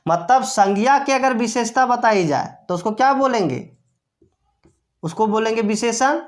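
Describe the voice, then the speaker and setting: A woman's voice: on the high side, lively intonation, a little slow. A woman grammar teacher explaining step by step, asking rhetorical questions and answering them herself, repeating each key term. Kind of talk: classroom-style explanation.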